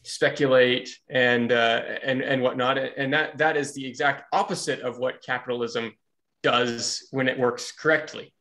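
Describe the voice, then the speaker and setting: A man's voice: mid-range voice, fairly even intonation, a little slow, fairly bright tone. A man in a casual group discussion on a video call, building his argument with many stammered restarts. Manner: stammers with repeated words while building an argument. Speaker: meetup participant.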